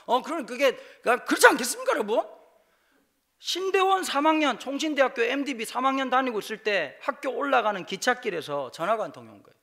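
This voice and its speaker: A man with a Busan-area Gyeongsang accent preaches at a church revival, spinning comic personal stories. His voice sits high and bright, and he swings his pitch widely as he jokes and acts out bits of dialogue. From Busan, South Korea. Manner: lively, jokey, acts out dialogue in dialect. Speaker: guest pastor preaching a revival service. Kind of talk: humorous storytelling sermon. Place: church sanctuary.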